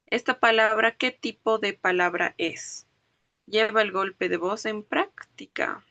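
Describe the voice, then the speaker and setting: A woman's voice: mid-range voice, steady tone, unhurried, bright, forceful tone, dry recording, lo-fi sound. A woman teaching a language class, explaining rules step by step and checking that students follow. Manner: explains step by step, checks understanding with frequent questions; spells out words syllable by syllable. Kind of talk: online class lecture.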